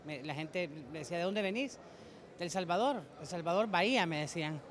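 A man's voice: high voice, fairly quick. A man in his thirties, an honorary consul, chatting through an interview and telling an anecdote, in a large conference hall. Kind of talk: interview answers.

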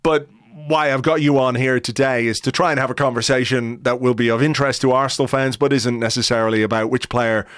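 Smooth-voiced middle-aged male podcast host. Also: mid-range voice, fairly even intonation, a bit bright, no room sound. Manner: measured, wordy questions with restarts. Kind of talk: conversational interview.

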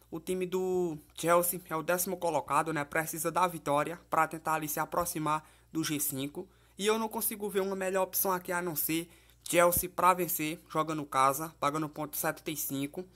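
A man's voice: a little high, fairly bright tone. A man giving casual football betting tips in a voice-over, chatty and loose, often tagging lines with "né?" and calling viewers "família" and "galera". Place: voice-over, not recorded in the pictured place.

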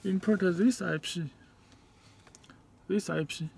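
A man who is not a native English speaker gives a step-by-step hands-on demonstration inside a car, in halting, short, simple phrases. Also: sits high, vocal fry, darkish tone, a little hiss or hum. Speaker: product demonstrator.

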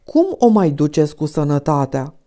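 A woman reading an audiobook voices an earnest, eager young noblewoman. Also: sits low. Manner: earnest, animated.

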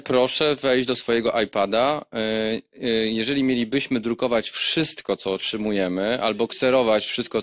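A man chairing a formal parliamentary hearing, speaking in a mid-pitched voice at a table microphone. His delivery is measured and admonishing, broken by frequent hesitations. The sound is close and dry. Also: fairly bright tone, no echo. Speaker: committee chairman.

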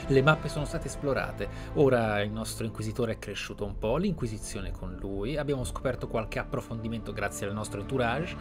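A man's voice: lowish voice, a little fast, hardly any pauses. A man with an Italian accent hosting a roleplay game playthrough, commentating in a reflective, conversational way. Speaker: host, game streamer. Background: game music.

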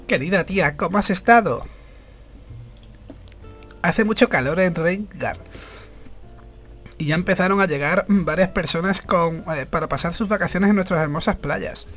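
A man's voice: sits high, moderate pace, long pauses, fairly bright tone, faint music behind. A man reading as an earnest young woman officer. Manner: reads the game dialogue aloud in a plain voice.

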